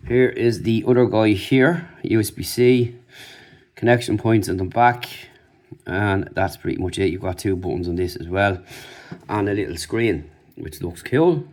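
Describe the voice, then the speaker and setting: In an informal unboxing and review, this man offers unscripted commentary on the product he's displaying. He speaks unhurriedly, in a low, somewhat dark-toned voice.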